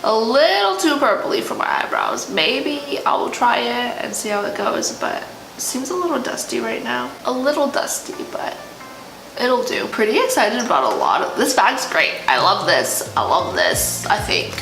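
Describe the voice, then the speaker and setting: A woman chatting casually and excitably as a beauty vlogger, gushing over products while she has hiccups. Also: a little high, normal speed, vocal fry. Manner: talking while having hiccups. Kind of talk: casual product unbagging chat. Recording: roomy echo, music behind. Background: music.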